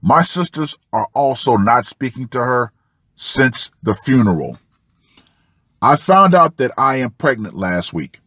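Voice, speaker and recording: A man narrates a written personal account at a very slow pace. His delivery is dramatic and drawn out, with pauses between phrases. The sound is dry, with no room around the voice. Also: medium pitch, sing-song, bright, forceful tone, slightly rough, no echo. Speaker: host of a commentary channel. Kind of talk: reading a personal post aloud with asides.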